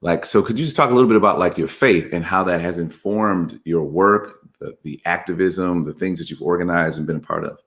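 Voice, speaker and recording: A man hosting a podcast, asking thoughtful, halting questions. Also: deep voice, fairly bright tone. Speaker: podcast host. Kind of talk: podcast interview.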